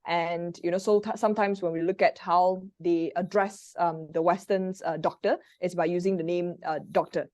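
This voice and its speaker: A woman's voice: on the low side, steady tone, moderate pace, few pauses, a little mellow, no echo, clean studio sound. A woman with a Malaysian accent, Mandarin as her first language, hosting a live question-and-answer talk with frequent hesitant fillers. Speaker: moderator and practitioner.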